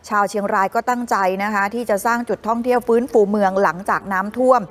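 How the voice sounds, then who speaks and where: Upbeat woman tv host chatting to viewers about travel clips, kinda high voice. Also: steady tone, quick pace. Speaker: news show co-host. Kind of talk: casual live TV chat over travel footage.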